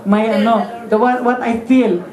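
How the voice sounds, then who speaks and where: A woman's voice: on the high side, fairly even intonation, normal speed, crowd noise. A woman in her sixties with a Filipino accent, chatting at a party into a handheld microphone and slipping Tagalog fillers into her English. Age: 60s. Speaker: event host. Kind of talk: casual remarks at a party. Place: crowded living room at a party. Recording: roomy room.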